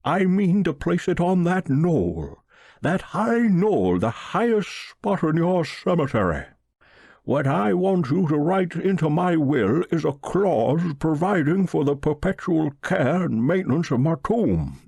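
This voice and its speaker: A man voicing a pompous, pious old millionaire with a solemn, slow drawl in an audiobook story. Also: on the high side, very animated, gravelly, darkish tone, husky, dry recording, clean studio sound, voice pushed up, full character voice. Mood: solemn, determined. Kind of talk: audiobook character voice.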